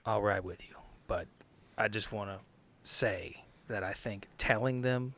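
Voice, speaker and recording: A man playing a tabletop game, talking casually and hesitantly, often hedging and dropping to hushed tones in character. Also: fairly low pitch, a little slow. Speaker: player.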